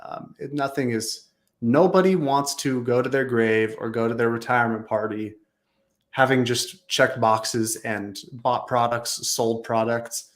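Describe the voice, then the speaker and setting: A man's voice: medium pitch, fairly even intonation, a little slow. Man, podcast guest, earnest, enthusiastic, casual slang. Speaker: podcast guest, business leader.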